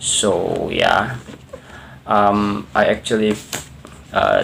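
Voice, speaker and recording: Noticeable background noise sits behind a man with an American accent who speaks very slowly at a fairly low pitch. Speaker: book reviewer. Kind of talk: casual review. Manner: hesitant, many fillers.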